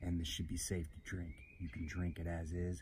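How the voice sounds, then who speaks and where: Somewhat breathy and dark, mellow in tone, a man speaks at a very deep, low pitch over light background noise. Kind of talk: tutorial. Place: waterside.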